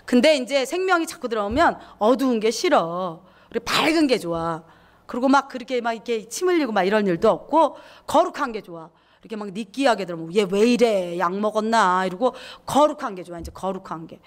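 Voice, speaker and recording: A woman pastor preaching a lively sermon, acting out inner voices and repeating words for emphasis. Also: fairly high pitch, fast.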